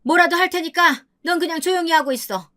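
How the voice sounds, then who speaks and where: A woman's voice: very high voice, brisk, pushed and bright, voice pushed up. A woman doing a harsh old mother-in-law. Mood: scolding. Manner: scolding, contemptuous.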